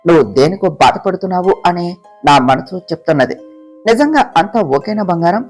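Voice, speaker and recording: A storyteller voicing a loving young husband who comforts and reassures his wife, soft guitar playing behind. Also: medium pitch, lively intonation, brisk, natural voice. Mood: tender. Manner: tender, coaxing. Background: soft guitar music.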